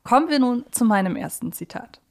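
A woman's voice: on the high side, expressive, fairly quick. Chatty woman hosting a podcast. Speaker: podcast host.

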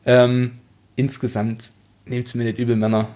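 A man's voice: mid-range voice, monotone, measured pace, dark tone. Man reviewing books in casual conversation. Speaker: podcast host. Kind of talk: casual book review discussion.

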